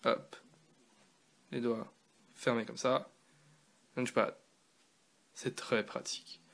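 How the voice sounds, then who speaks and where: Casting: man, casual gadget reviewer, gravelly edge, rambling delivery. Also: medium pitch, little pitch movement, slow pace, a bit bright. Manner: loose and rambling, with fillers and restarts. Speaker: tech reviewer.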